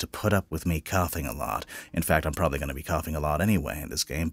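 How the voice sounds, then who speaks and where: Speaking at a very fast pace, a man with a very deep, low pitch and vocal fry shows ordinary pitch variation in a dry, close sound with no echo. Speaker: gameplay video host. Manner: chatty, rambling.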